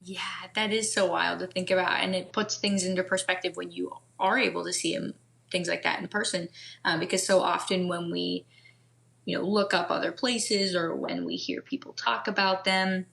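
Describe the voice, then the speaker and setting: A woman guest on a podcast, talking in a relaxed, thoughtful way with frequent fillers. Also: fairly low pitch, moderate pace, vocal fry. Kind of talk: casual conversation.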